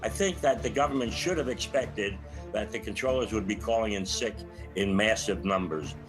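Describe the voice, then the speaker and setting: Older man with a lowish voice, music behind. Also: normal speed. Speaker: retired air traffic controller, interview guest. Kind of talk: live news interview commentary.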